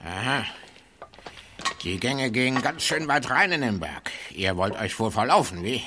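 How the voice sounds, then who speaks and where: Croaky, half-mad old prospector. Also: male voice, mid-range voice, very animated, measured pace, noisy background. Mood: suspicious, gruff. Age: older. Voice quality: voice turning croaky, breaking and wavering. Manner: nervous, slightly mad, giggling. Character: crazed, cackling old prospector in a mine. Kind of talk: German radio play acting.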